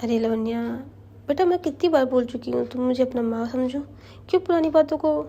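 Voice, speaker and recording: Brief: woman playing a theatrical, scolding middle-aged mom, high and soft-toned. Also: a little fast, highs cut off. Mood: doting. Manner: scolding, then doting. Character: stern but loving middle-aged mother, theatrical.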